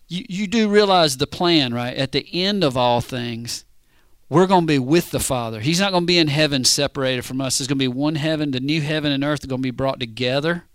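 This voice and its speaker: A man preaching a sermon in a conversational way, often asking the congregation if they understand, and slowing down to read scripture. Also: a little high, a bit bright, no room sound. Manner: conversational, keeps checking in with the congregation; reads scripture slowly and deliberately.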